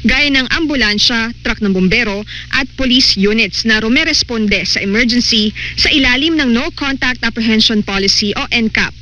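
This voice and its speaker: A woman field reporter reading a scripted news report in a measured, formal delivery. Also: a little high, low-quality recording. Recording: loud hiss on radio broadcast.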